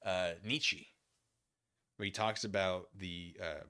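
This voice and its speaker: A man with a fairly low voice and a bright, forceful edge talks casually as a livestream host. He muses through his opinions in a halting way, rewording and qualifying as he goes, with short emphatic phrases. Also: fairly even intonation. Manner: musing, halting, often rephrasing and qualifying himself. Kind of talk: casual opinion monologue, answering chat comments.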